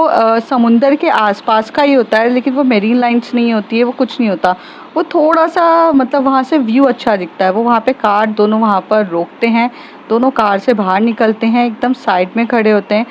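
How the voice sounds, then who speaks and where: A woman's voice: a little high, moderate pace, highs cut off, slight background noise. Woman casually telling a love story. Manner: conversational, with fillers and self-corrections.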